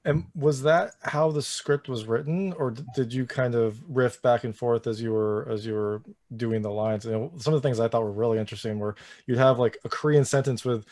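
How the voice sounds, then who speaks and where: A man's voice: medium pitch, fairly quick, darkish tone, no room sound. A man interviewing actors in a casual chat, rambling and using many filler phrases as he asks questions. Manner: rambling, heavy use of "you know".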